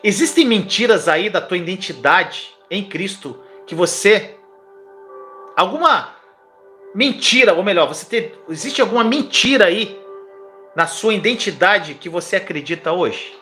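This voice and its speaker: A man's voice: high voice, expressive, unhurried, sharp tone, faint music behind. A man preaching a live-streamed sermon, fervently urging listeners to repeat declarations aloud.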